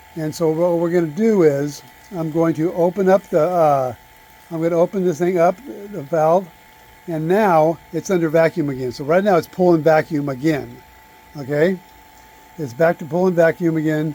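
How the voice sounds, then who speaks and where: A man talks in a high voice with fairly even intonation. He leaves long, frequent pauses, and there is noticeable background noise. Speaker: HVAC technician. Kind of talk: tutorial. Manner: fast; casual, filler-heavy.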